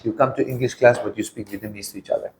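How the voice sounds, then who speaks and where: A man's voice: medium pitch, steady tone, very fast, a little mellow, a little hiss or hum. A man with a South African accent, teaching an English class in casual talk and often checking in with his students. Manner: patient, checks in often with questions.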